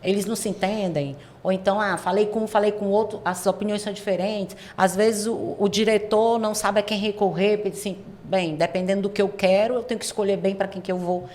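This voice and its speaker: A woman's voice: mid-range voice, steady tone, fast talker, hardly any pauses, darkish tone. A woman hosting a business interview, asking long probing questions and rephrasing as she goes. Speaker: interviewer, host.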